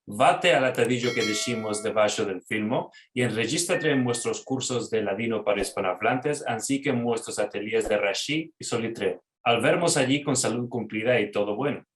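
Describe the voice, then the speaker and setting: A man's voice: medium pitch, moderate pace, hardly any pauses. Man announcing in a roomy space. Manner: inviting, direct address to viewers. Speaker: channel announcer. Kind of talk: promotional announcement. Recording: roomy recording with faint noise.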